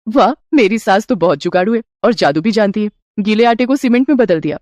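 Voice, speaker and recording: A woman voicing a curious, eager young daughter-in-law in a cartoon story, asking excited, wondering questions. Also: mid-range voice, a little fast, dry recording, lightly acted.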